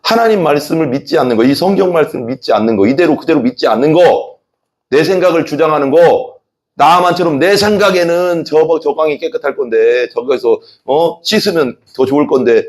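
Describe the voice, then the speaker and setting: A man preaching an evening sermon as pastor, animated, asking the congregation questions and acting out voices in the quotes he tells. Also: fairly high pitch, fairly quick. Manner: asks the congregation questions and has them repeat.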